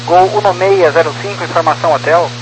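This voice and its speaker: A Brazilian man, an airline pilot, reading back clearances in clipped phrases over crackly aviation radio. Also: a little high, fairly quick, over music. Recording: noisy crackly cockpit radio.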